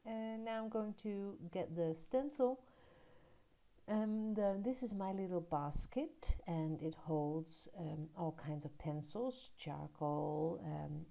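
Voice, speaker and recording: A woman giving a relaxed, rambling voiceover about her art journal page, pausing often and filling gaps with little hesitations. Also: sits low, creaky. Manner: relaxed, rambling, with many pauses and fillers. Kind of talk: casual voiceover narrating her crafting. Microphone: voiceover recorded at her laptop.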